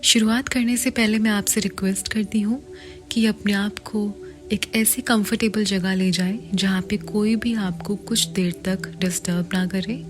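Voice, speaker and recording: A woman with an Indian accent guides a meditation in a soft, partly whispered voice, in short measured phrases with long pauses. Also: mid-range voice, fairly even intonation. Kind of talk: guided meditation, slow soothing instruction. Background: meditation music.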